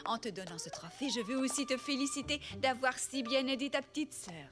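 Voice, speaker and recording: Kindly cartoon family woman: high pitch, swooping intonation, encouraging. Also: expressive, fairly quick, a bit bright, faint music behind. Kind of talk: French children's cartoon dialogue.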